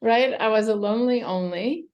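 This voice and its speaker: A woman from Romania, a psychotherapist answering interview questions thoughtfully over a video call, with many pauses and fillers. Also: fairly high pitch, muffled recording. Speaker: psychotherapist guest.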